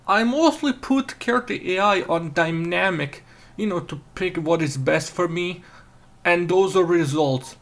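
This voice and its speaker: A man from Serbia with a Serbian accent, hosting a casual chat, crude and excitable when he rants. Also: high voice, measured pace, a little hiss or hum. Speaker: channel host.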